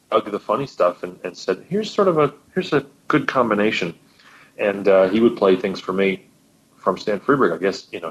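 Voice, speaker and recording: A man who is a musician, a guest telling stories in animated casual chat. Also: fairly low pitch. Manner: animated storytelling. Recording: dull, lo-fi line.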